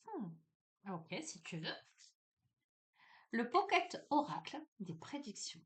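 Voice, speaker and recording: A woman giving a casual oracle card reading, chatting with many fillers and laughs and slowing down when she reads the card texts aloud. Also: on the high side, very animated. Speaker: tarot and oracle card reader.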